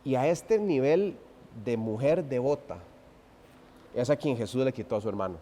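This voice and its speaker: A man preaching an expository sermon, swinging from loud emphasis to hushed, drawn-out phrases and asking the congregation rhetorical questions. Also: mid-range voice, animated, a little hiss or hum. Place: church sanctuary. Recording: long reverb of a church hall.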